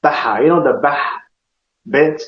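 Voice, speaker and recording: A man's voice: a little high, unhurried. A man from Kenya with an East African accent hosting a casual word-by-word language chat, asking questions and repeating words back. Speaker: host comparing vocabulary with a guest. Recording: echoey room, slightly dull lo-fi sound.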